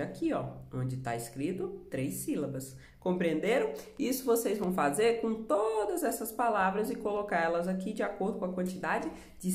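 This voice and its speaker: A woman's voice: lowish voice, a little mellow, reverberant. A Brazilian woman teaching a remote lesson for children, patient, explaining step by step and asking the class questions. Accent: Brazilian Portuguese.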